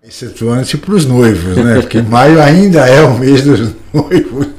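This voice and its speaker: A man's voice: medium pitch, expressive, a little slow, darkish tone, slight background noise. An older man, a radio host, asking conversational questions into a studio microphone. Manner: conversational, asks long questions. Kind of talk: studio interview.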